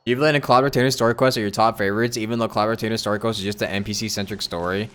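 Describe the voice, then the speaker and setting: A man's voice: on the low side, fairly even intonation, rapid-fire, a bit bright, smooth. A man livestreaming a game, talking casually and thinking aloud, often repeating his phrases as he rambles. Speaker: live game streamer. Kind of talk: casual livestream chat while playing a game. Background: game music.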